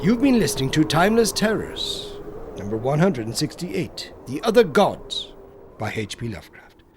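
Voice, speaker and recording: A man narrating gothic horror in a solemn, theatrical way with deliberate phrasing. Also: on the high side, big pitch swings, background noise.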